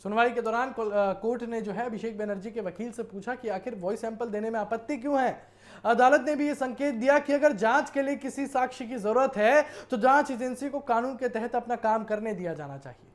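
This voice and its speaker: A woman news presenter with an Indian accent delivers a political news report. Her voice sits on the high side for a woman. The delivery is that of a narrated bulletin. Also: fairly quick.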